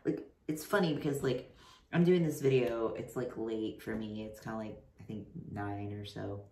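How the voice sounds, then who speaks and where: A man in his thirties chatting casually to his camera, rambling with lots of "like" and "you know", his voice deepening mid-transition. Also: fairly even intonation, moderate pace, darkish tone. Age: 30s. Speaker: vlogger. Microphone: camera mic. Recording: roomy echo, voice somewhat far from mic.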